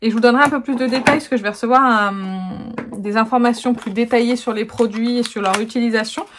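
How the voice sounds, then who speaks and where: A woman's voice: fairly high pitch, steady tone, quick pace, noisy background. A woman with a French accent chatting casually in a home beauty vlog, laughing often and full of fillers. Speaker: beauty vlogger. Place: home, indoors.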